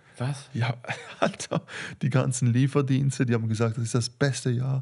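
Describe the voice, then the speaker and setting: Somewhat breathy and dark, mellow in tone, a man's medium-pitched voice moves at a moderate pace with monotone, flat intonation. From Switzerland. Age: 30s. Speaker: stand-up comedian, podcast co-host. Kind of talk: casual chat.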